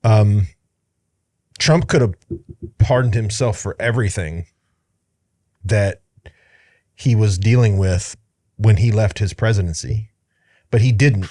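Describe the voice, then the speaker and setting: A man's voice: on the low side, slow pace, pauses often, warm tone, no echo, clean studio sound. A man co-hosting a podcast, giving blunt, emphatic opinions in casual political chat. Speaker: podcast co-host.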